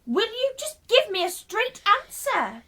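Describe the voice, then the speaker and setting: A woman's voice: extremely high pitch, very animated, measured pace, a bit bright, heavily acted. A woman playing a confused, exasperated newcomer, impatient and emphatic in her questioning, in a radio play. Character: confused, exasperated newly arrived woman demanding answers. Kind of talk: theatrical radio play acting.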